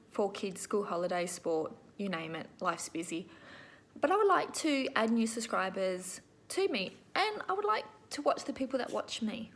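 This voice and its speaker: A woman's voice: medium pitch, slightly rough. A middle-aged Australian woman hosting a crafting video, chatting casually to viewers in an informal, rambling, self-deprecating way.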